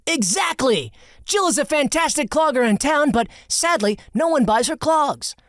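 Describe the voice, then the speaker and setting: Man doing a high, eager young khaki boss. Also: expressive, moderate pace, fairly bright tone, dry recording, clean studio sound. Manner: high-pitched, eager and theatrical. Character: excitable proud young male khaki-factory owner.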